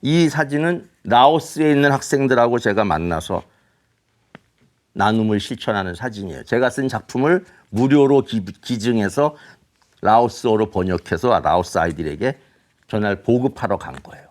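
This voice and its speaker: A middle-aged man speaking as an author to young students, telling a story in an animated way and asking rhetorical questions. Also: fairly low pitch, moderate pace. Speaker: children's author giving a talk. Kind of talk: motivational lecture to students.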